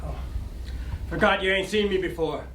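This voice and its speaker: A man's voice: sits high, moderate pace, a bit bright. A man playing a cynical small-time gambler and wise guy in a live play reading, with slangy, clipped tough talk. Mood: brash, guarded. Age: middle-aged. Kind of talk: live dramatic stage reading. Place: library reading room. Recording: echoey room, distant mic, background noise.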